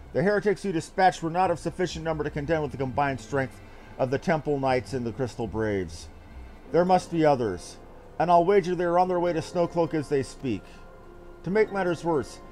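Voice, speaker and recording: Man voicing a stern knight officer, animated pitch. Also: close to an everyday voice. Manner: formal, emphatic, archaic phrasing. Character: stern, worried male knight officer in fantasy game. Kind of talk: reading game dialogue in character.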